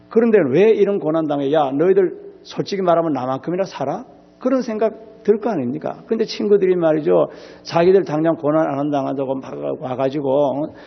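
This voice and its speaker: A man preaching a revival sermon as pastor, emphatic, swinging between loud exclamations and soft low asides. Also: vocal fry, breathy edge, big-room sound, muffled recording. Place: church sanctuary.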